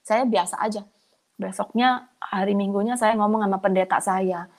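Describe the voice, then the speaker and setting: A woman shares her personal testimony in a casual, storytelling way, at an average pitch. She gets animated, backs up to restart her sentences, and acts out what she and others said. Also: normal speed. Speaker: testimony speaker.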